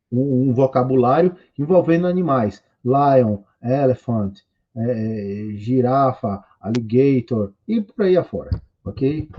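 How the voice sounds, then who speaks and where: Brazilian male English teacher, 40s, warm mellow voice, rambling delivery. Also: mid-range voice, highs cut off. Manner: rambling, self-correcting, reads English lines slowly. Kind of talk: recorded online class.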